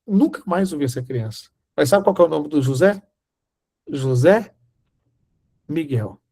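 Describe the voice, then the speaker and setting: A man's voice: fairly high pitch, lively intonation, measured pace, dark tone, breathy edge. A man preaching a sermon, telling a personal story and acting out the dialogue. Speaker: Bible teacher.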